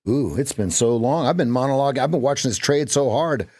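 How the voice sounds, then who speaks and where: A man's voice: mid-range voice, expressive, brisk, darkish tone. A man with a mid-range voice hosts a live day-trading stream from his desk. He talks loosely to his chat and doubles up his words as he follows the charts. The sound is dry and close, with little room echo. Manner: chatty, repeats phrases, talks to chat.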